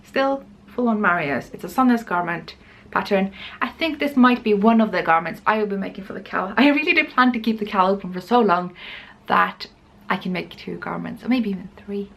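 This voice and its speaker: A woman's voice: medium pitch, expressive, moderate pace, creaky. A woman chatting casually and informally to camera as the host of a knitting podcast. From Norway.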